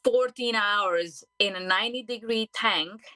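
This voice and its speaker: A woman in her forties from Hungary with a Hungarian accent, a diving guest telling her story in an animated radio interview. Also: medium pitch, a little slow, no room sound, low-quality recording. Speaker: guest, underwater safety diver. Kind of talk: interview conversation. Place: radio studio.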